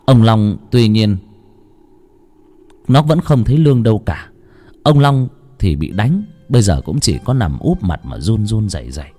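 A man narrating a ghost story in a dramatic, expressive storytelling manner. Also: on the low side, moderate pace.

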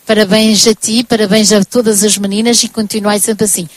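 A woman's voice: mid-range voice, little pitch movement, a little fast, no echo, low-quality recording. A woman, interviewing students live on radio in a chatty, effusive and encouraging way.

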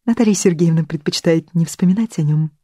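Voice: mid-range voice, quick pace, dark tone, no echo, studio quality, lightly acted. A reader doing a suave, flirtatious man. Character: smooth, flirtatious middle-aged man.

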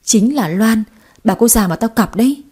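A woman's voice: fairly high pitch, animated, moderate pace, mellow, husky. A woman voicing a young man who comforts his girlfriend. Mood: anguished. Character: young man, loving then panicked boyfriend.

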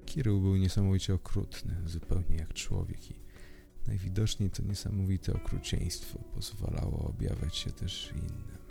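A man reading a horror story aloud in measured, scripted narration. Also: sits low, gravelly. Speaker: audiobook narrator.

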